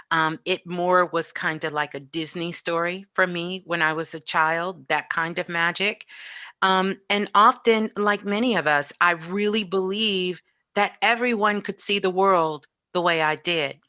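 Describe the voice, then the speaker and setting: A woman's voice: on the low side, fairly even intonation, a little slow, bright, forceful tone, dry recording, clean studio sound. A woman answering interview questions as a show guest in a conversational, reflective way.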